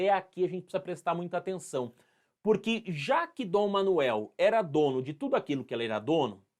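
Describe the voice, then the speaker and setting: A man with a high voice uses lively intonation. He speaks with an interior São Paulo accent. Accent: caipira, interior São Paulo. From interior of São Paulo state, Brazil. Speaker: history teacher. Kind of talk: live online lecture. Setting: livestream. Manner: hesitant, frequent repetitions.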